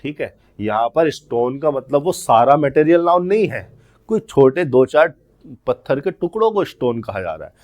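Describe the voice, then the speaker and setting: A man teaches an English grammar lesson for exam prep, explaining step by step and posing questions he then answers himself. His voice is a little high with a darkish tone, and he slows way down to read example sentences word by word.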